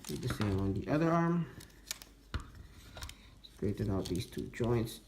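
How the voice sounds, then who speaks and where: Male toy reviewer, slow and gravelly, step-by-step demo; echoey, noisy room. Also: fairly low pitch, expressive. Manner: slow, step-by-step instructional talk, muttering to himself. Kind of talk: hands-on toy transformation demo. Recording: echoey room with background noise.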